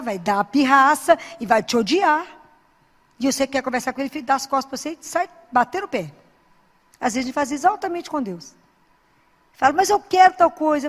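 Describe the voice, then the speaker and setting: A woman's voice: high-pitched, in a large hall. A woman who is a Christian speaker and doctor, giving an informal sermon full of anecdotes in an earnest, exhorting, conversational way.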